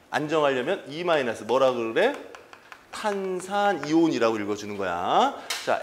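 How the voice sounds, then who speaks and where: A male chemistry instructor gives an exam-prep lecture, firing quick rhetorical questions at his students and answering them himself. His voice is a little high, with slight background noise.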